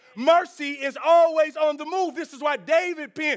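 A shouting man at an extremely high pitch, animated in tone, with ordinary pitch variation. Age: 30s. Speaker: pastor. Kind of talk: sermon.

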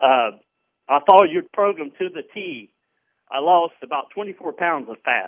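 A man with a normal speaking voice talks at a moderate pace, his fairly high pitch rising and falling in a lively way while his loudness swings widely. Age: 40s. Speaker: caller, former fitness program client. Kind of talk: testimony. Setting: phone call.

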